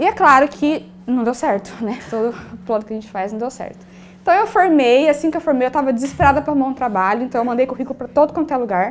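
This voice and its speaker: With a strong Minas Gerais accent, a woman speaks at a very fast pace. Her high voice makes very wide pitch swings. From Brazil, Minas Gerais interior (Uberlândia). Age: 20s. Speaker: travel influencer. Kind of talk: talk to an audience.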